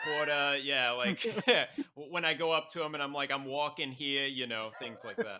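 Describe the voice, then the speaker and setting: With an American accent, a man speaks at a moderate pace and a fairly high pitch, with ordinary pitch variation over noticeable background noise. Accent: New York accent, comes out at times. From New York area. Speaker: podcast host. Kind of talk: casual chat.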